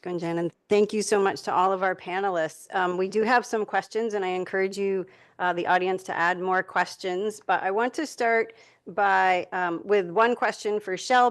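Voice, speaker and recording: A woman moderating a panel, putting audience questions to the speakers. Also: mid-range voice.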